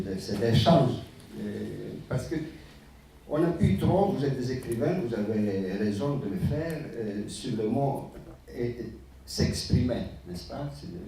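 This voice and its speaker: A man's voice: on the low side, dark tone, far from the mic, slight background noise. Emphatic man in an echoey hall. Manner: emphatic, with hesitant fillers. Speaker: panelist, literary commentator. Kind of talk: panel discussion. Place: conference hall.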